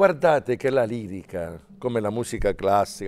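This man's pitch swings very widely as he speaks at a moderate pace. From Calabria. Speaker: TV host. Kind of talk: TV talk show discussion. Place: studio. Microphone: lapel.

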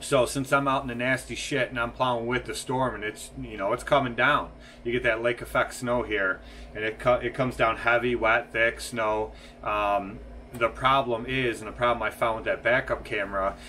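A man at a moderate pace, in monotone, flat intonation, over light background noise. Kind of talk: casual vlog chat. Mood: relaxed, explanatory. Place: garage. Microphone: phone near.

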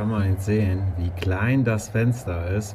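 Speaking at a fairly slow pace, a man uses a fairly low pitch and a dark, mellow tone that is somewhat breathy. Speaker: disc golf video creator. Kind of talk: live commentary. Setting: outdoors. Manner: animated.

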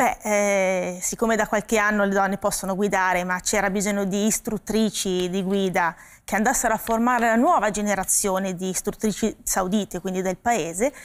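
Here is an ordinary speaking voice, a woman's at medium pitch. She talks at a moderate pace with ordinary pitch variation. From Lombardy, Brianza. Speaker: driving instructor. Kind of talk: interview. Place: studio. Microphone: lapel.

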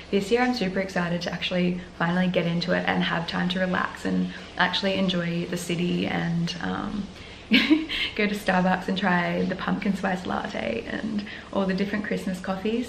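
Over light background noise and audible room echo, a woman talks in a flat, monotone way. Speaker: vlogger. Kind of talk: casual vlog chat. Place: home room. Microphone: phone near.

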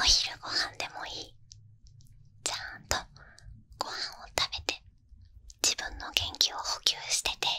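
A woman is whispering at a very slow pace. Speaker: ASMR creator. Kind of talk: soft ASMR encouragement. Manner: close intimate whisper praising listener. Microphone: studio mic.

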